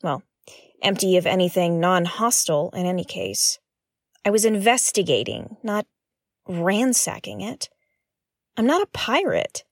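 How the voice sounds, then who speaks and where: A woman's voice: fairly low pitch, sing-song, unhurried, pauses often, no echo, clean studio sound, exaggerated voice. A woman playing a blunt, suspicious space explorer in a science-fiction audio drama, with an exasperated, sarcastic and emphatic delivery. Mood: indignant.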